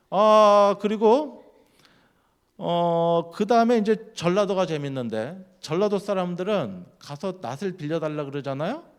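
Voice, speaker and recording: A man giving a sermon at a church, keeping it lively by putting questions to the congregation. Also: a little high. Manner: lively, keeps quizzing the congregation. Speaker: guest speaker at a church.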